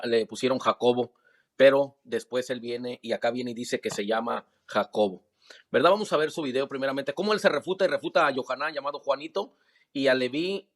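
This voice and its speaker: A man commenting on a video he plays, pressing his point with insistent, repetitive rhetorical questions. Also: mid-range voice. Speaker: online religious commentator. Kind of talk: refutation commentary on a played video.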